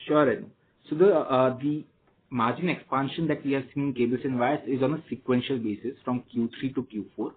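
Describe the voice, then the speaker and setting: A man with an Indian accent, a company executive giving measured, formal answers to analysts on an earnings call. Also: medium pitch, steady tone, husky. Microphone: conference phone call. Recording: tinny phone line with noise.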